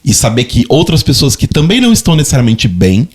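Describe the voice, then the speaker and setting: A Brazilian man in his thirties co-hosts a podcast, speaking fast in a mid-range, darkish, slightly rough voice with big pitch swings. The conversation is casual, and he comes across as reflective and hesitant, often repeating words while searching for the right ones.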